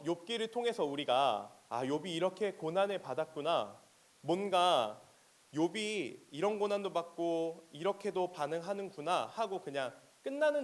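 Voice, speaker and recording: A young man, a junior pastor, preaching a sermon in an earnest way that rises into pleading when he voices complaints to God. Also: sits high. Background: soft guitar music.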